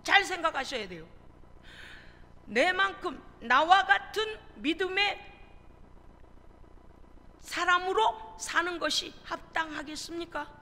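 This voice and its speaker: A woman's voice: very high voice, expressive, slow, pauses often, bright, forceful tone. A woman pastor preaching a sermon in a church, earnest and full of rhetorical questions. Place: church sanctuary. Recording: reverberant church hall, faint noise.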